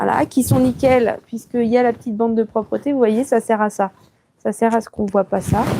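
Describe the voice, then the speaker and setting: Her delivery is fairly slow. This woman's voice sits fairly high. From rural France. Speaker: sewing content creator. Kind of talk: live sewing tutorial; casual chat. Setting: livestream. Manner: casual, chatty.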